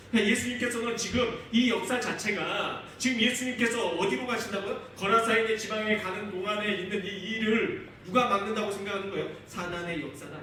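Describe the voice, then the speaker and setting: A man's high, ringing voice fills a church sanctuary as he preaches, retelling the story vividly and turning to the congregation with rhetorical questions. The sound is very echoey and picked up from some distance, with a faint hum of ambience behind it. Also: a bit bright. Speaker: pastor. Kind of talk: sermon.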